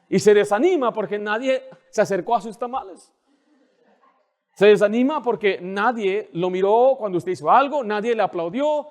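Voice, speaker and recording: High-voiced male pastor preaching. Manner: animated, asks the congregation questions; mimics children's voices in quotes. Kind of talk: sermon. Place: church.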